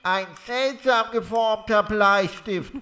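Squeaky, bright, naive little critter. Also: male voice, slow pace, full character voice. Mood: earnest. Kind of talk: audio drama acting for children.

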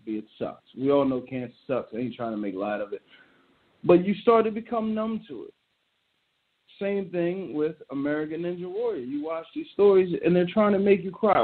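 A man hosting a talk show, ranting in a loose, joking, slangy way. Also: a little high. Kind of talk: casual solo commentary. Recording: tinny phone-like audio.

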